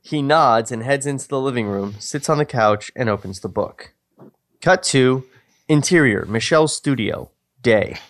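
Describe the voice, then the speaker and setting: A man's voice: medium pitch, lively intonation, normal speed. A man co-hosting a podcast, chatting casually and reading a screenplay aloud, with a self-mocking, profane way of talking. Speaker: podcast co-host.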